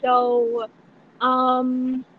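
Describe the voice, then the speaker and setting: A woman's voice: high voice, monotone, extremely slow, narrow, tinny audio, a little hiss or hum. A woman guest hosting a podcast, chatting casually in a gushing, rambling, informal way. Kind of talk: casual excited podcast chat.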